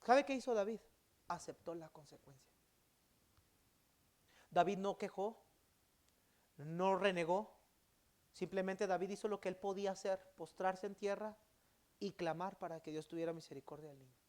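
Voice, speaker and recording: A male pastor preaching a sermon in a church, swinging between loud emphatic bursts and quiet, low endings. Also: moderate pace, long pauses. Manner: acts out quoted speech in dialogue.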